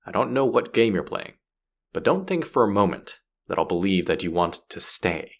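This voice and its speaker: A deep-voiced, gruff male space pirate played by a male voice actor speaks directly to the listener in a sci-fi audio roleplay. He comes across as sardonic and easily exasperated, a hard case who only grudgingly softens. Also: sing-song, normal speed, heavily acted. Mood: exasperated, defensive. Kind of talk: scripted audio roleplay, one-sided dialogue to listener.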